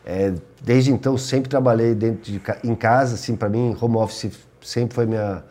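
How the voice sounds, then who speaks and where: Calm, mellow-voiced São Paulo man. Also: medium pitch, normal speed. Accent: São Paulo Brazilian Portuguese. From Brazil. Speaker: guest. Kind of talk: casual conversation.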